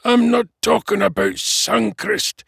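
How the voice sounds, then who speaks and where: A man voicing an old male dwarf from a fantasy storybook, weak and croaking, irritable and full of self-pity. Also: fairly high pitch, takes it slowly, no echo, clean studio sound, pitched above the performer's own voice, full character voice. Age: older.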